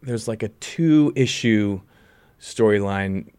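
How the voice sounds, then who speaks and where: Casting: male actor as interview guest, lowish voice, close dry sound, jokey and conversational, halting phrasing. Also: a little mellow, smooth, no echo. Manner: self-deprecating, jokey, halting and searching for words.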